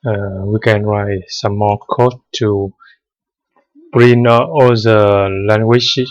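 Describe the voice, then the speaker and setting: A man's voice: on the low side, fairly even intonation, slow pace, dry recording, dull audio. A man whose first language is Vietnamese, explaining code step by step in a screen-recorded tutorial with many hesitant fillers. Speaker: programming tutor.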